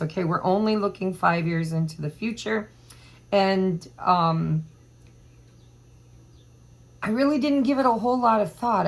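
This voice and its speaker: Hoarse, slow-talking woman tarot reader. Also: mid-range voice. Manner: chatty and meandering, thinking aloud. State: hoarse from allergies. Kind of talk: casual tarot reading to camera.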